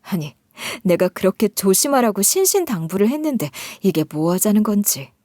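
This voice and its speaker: A woman's voice: mid-range voice, sing-song, normal speed, warm tone, no echo, clean studio sound. A woman narrating a first-person story in an aggrieved, confiding way.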